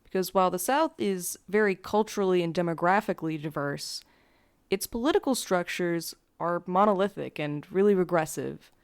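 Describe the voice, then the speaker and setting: Crisp, creaky low-voiced woman, dry sound. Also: normal speed, dry recording. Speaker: podcast creator. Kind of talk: measured, articulate explanation.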